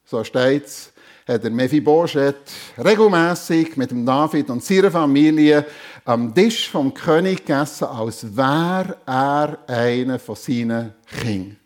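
A man's voice: mid-range voice, animated, unhurried, darkish tone. A male preacher with a Swiss German accent, earnestly retelling a Bible story in a sermon, with some restarts.

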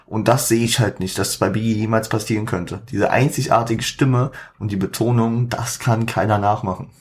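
A man hosts a podcast with a slightly low voice, in casual commentary. He talks haltingly, with fillers and self-corrections, and mixes in English slang. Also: fairly even intonation, darkish tone. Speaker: podcast host.

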